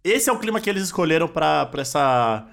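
A man co-hosting a casual comedy chat, crude and animated, reading quotes aloud for laughs. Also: a little high, a little fast, gravelly. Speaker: podcast co-host.

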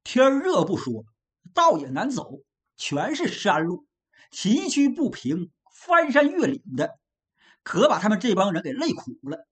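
A woman storyteller narrating a classic novel with a lively, expressive delivery. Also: mid-range voice, measured pace.

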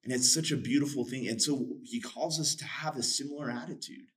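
A man's voice: mid-range voice, a little fast. A man in a casual Christian discussion, earnestly retelling a parable and voicing its characters. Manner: earnest, animated storytelling with voiced quotes.

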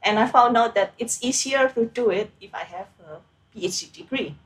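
A woman's voice: on the high side, lively intonation, normal speed. A young woman from Indonesia in a casual interview, talking about her PhD path with many fillers and restarts.

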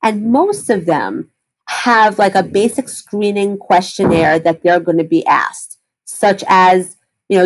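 A woman's voice: mid-range voice, rough recording. A woman gastroenterologist answering interview questions, explaining in detail with frequent fillers and restarts.

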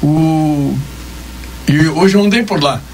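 Middle aged gaucho dude, chatty and blunt, kinda high voice, radio banter. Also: male voice, slow, a loud crowd, poor audio. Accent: Gaúcho Brazilian Portuguese.

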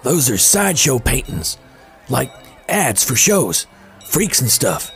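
A man's voice: medium pitch, big pitch swings, takes it slowly, gravelly, a bit bright, faint music behind, heavily acted. An actor playing a world-weary man with dry, sardonic humour, patient with a childlike companion. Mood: wry.

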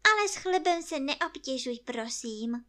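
A woman voicing a naive, greedy bear cub with a high, squeaky, plaintive voice in a storybook reading. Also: animated, pushed and bright. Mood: eager.

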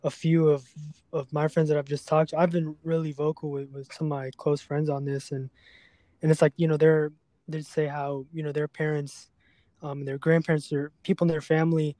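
A man hosting a serious podcast conversation, speaking earnestly and haltingly, often repeating words as he goes. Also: on the high side, level tone, warm tone, dry recording. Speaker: podcast host.

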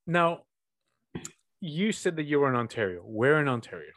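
A man's voice: a little high, very animated, normal speed, a bit bright. A man hosting a casual interview podcast on a video call, friendly and upbeat, with fillers and laughs. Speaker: podcast host.

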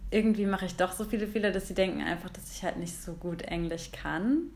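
A woman's voice: fairly low pitch, a little fast, vocal fry, a little mellow. A young woman from Germany chatting casually, leaning on fillers. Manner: chatty, leans on fillers like halt and ähm. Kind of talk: casual chat.

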